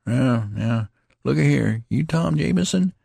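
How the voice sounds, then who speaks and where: A man's voice: medium pitch, lively intonation, a little slow, creaky, dark tone, slightly rough, dry recording, voice pushed up, full character voice. A man voicing a dazed, wounded male soldier who rambles in a slurred, folksy country dialect. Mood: pleading. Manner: pleading, repetitive, plaintive.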